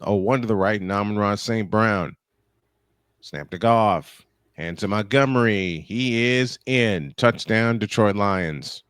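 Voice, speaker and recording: A young man calls football action in a measured play-by-play style. His voice sits low and sounds smooth and clean. The sound is dry and close. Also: fairly bright tone, dry recording. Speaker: play-by-play commentator. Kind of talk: live sports commentary.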